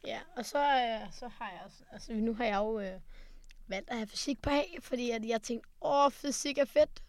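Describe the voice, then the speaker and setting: A teenage girl co-hosting a podcast, telling rambling, animated stories in casual chat. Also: a little high, no echo. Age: late teens. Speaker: podcast co-host. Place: studio.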